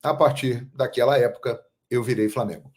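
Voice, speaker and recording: A man from Brazil hosting a football channel, telling stories in a measured, emphatic monologue. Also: mid-range voice, fairly even intonation. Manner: measured, storytelling, emphatic on key phrases. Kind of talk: casual monologue to camera.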